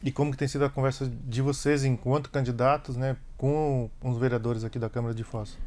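A man at medium pitch, fairly quick pace and hardly any pauses, with monotone, flat intonation. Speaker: radio host. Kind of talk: interview. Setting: studio. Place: studio. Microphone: lapel.

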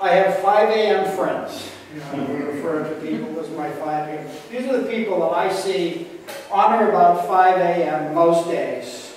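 In a strong room echo with light background noise, a man speaks at a fairly slow pace in a high pitch. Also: ordinary pitch variation. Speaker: guest. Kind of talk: lecture. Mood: warm, enthusiastic. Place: hall. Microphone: camera far.

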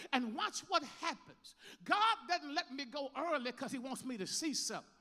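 Over a quiet background, a man with an extremely high pitch uses a raised, projected voice, a bright, sharp tone and an animated delivery at a moderate pace. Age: 50s. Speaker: pastor. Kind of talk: sermon. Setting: church. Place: church. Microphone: handheld.

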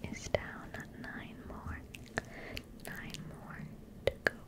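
Soft-spoken and whispering, a woman talks at a very slow pace. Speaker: ASMR creator. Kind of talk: soft-spoken ASMR chat. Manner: soft ASMR whisper. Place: home room. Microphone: studio mic.

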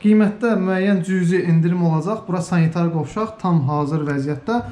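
Here a man speaks at a high pitch and a moderate pace. His pitch variation is ordinary. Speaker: real estate agent. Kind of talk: property walkthrough tour. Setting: inside an apartment.

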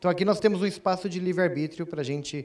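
Here a man speaks with ordinary pitch variation. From Brazil (São Paulo). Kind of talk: panel speech. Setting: stage with audience. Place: hall. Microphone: handheld.

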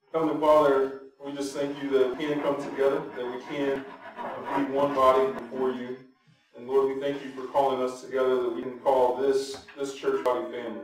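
This man talks at a fairly quick pace with a flat, monotone delivery. The room echoes audibly, and there is light background noise. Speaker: pastor leading prayer. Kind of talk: prayer. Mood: calm, reverent. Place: church.

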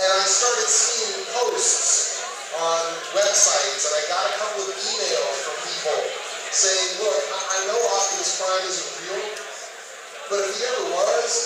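Loud background noise and audible room echo surround the recording. A man speaks at a fairly slow pace. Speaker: guest. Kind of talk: panel talk anecdote. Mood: earnest, emotional storytelling. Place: hall.

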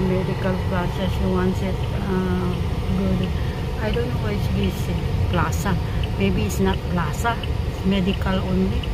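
Loud background noise surrounds a woman speaking at a fairly slow pace. She leaves long, frequent pauses. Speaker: vlogger narrating the ride. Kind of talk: casual vlog chat. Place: car.

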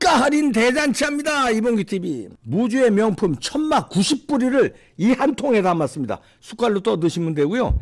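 Against a quiet background, a man with a high voice speaks at a moderate pace in an animated tone, his pitch swinging very widely while his loudness stays very even. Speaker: political YouTube host. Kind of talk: casual political talk show. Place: studio. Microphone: studio mic.

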